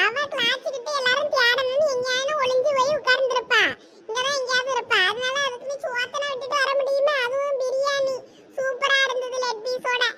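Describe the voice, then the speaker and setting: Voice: very high voice, bright, forceful tone, slight background noise. A performer voicing a young friend who teases the others and cares more about biryani, talking in bossy banter.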